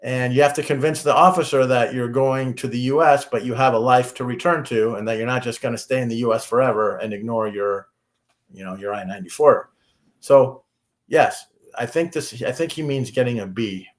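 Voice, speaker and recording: Man, immigration attorney, casual advice, restarts, mid pitch. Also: brisk. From United States. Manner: conversational, many restarts and fillers.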